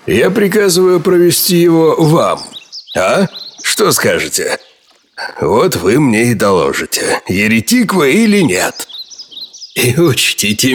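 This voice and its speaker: A man's voice: lowish voice, a little hiss or hum. An actor playing an aging, sly king who toys with his subject in a mocking, menacing way. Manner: mocking, toying with his listener. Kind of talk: radio drama acting in a history podcast.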